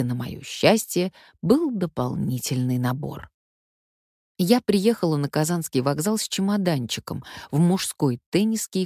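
An older woman from Siberia, a stage actress, telling stories from her own life in a wry, lively anecdotal way. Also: low voice, no room sound, studio quality. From Omsk, Siberia, Russia. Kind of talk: memoir storytelling.

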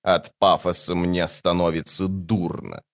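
A man voicing a decrepit, sardonic monster serving death, speaking low, slow and trembling. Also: flat delivery, dry recording, studio quality.

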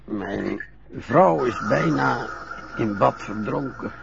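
An actor playing a frail old widower in a radio play, hesitant and stammering, sometimes fearful and sometimes teasing. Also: male voice, medium pitch, slow pace, creaky, highs cut off. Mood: sorrowful. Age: older.

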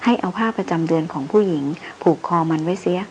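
A woman's voice: fairly low pitch, fast talker, slight background noise, lightly acted, poor audio. A woman reading the lines of an old male jungle tracker who is superstitious, earnest and pleading.

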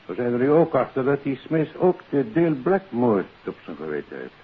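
An actor playing a confident, authoritative senior police chief in a 1950s Dutch radio play. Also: male voice, mid-range voice, sing-song, normal speed, breathy edge. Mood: businesslike. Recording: tinny, hissy old radio recording.

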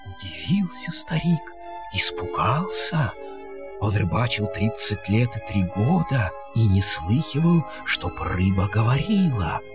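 A man's voice: fairly low pitch, sing-song, slow pace, over music. A man narrating a fairy tale in verse as a storyteller, with a theatrical, singsong delivery.

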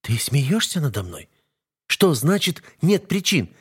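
A man voicing a defiant, frightened young wife in an audiobook, raising his voice high and pleading. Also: very animated, measured pace, slightly rough, exaggerated voice. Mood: furious. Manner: pleading, shouting, breaking into sobs. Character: young woman, defiant, scared and furious wife. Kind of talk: audiobook narration.

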